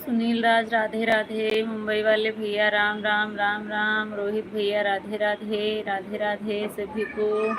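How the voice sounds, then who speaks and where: A woman's voice: mid-range voice, monotone, takes it slowly, over music. A woman hosting a casual livestream from Jammu, greeting viewers one by one in a friendly, chatty way. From Jammu region, India. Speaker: livestream host. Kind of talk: casual livestream chat reading viewer comments. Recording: noisy home livestream audio.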